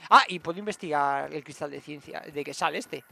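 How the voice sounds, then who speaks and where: A young man giving excitable let's-play commentary and talking to his viewers. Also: fairly high pitch, brisk, gravelly. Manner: excitable, talks to viewers as "gente". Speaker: gaming streamer.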